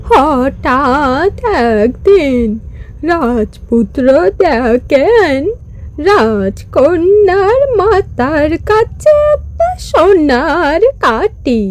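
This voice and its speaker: A woman narrating a scripted fairy tale as a storyteller, in a dramatic, drawn-out delivery. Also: high-pitched, very animated.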